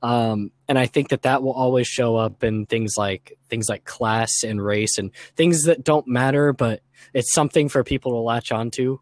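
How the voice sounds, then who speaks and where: A man's voice: medium pitch, normal speed, no room sound. A man in a casual, reflective podcast discussion, talking earnestly and thoughtfully in an unscripted way. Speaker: podcast guest or co-host.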